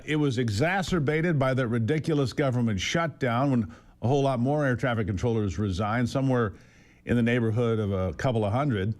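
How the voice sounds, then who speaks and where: A man hosting an opinionated political interview, speaking emphatically with rhetorical questions and repeated phrases for stress. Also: mid-range voice. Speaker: talk show host.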